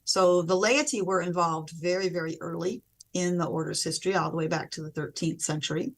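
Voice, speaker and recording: A woman religious sister, a guest on a video call, explaining her community in a measured way. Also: fairly low pitch, steady tone. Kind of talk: explanatory interview answers.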